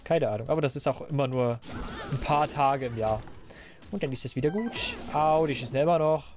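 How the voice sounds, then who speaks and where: A man doing casual, rambling commentary while playing a game, a little hoarse and stuffy, into a desk microphone. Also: medium pitch, brisk, music in the background. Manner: chatty, rambling, self-mocking. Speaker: let's player.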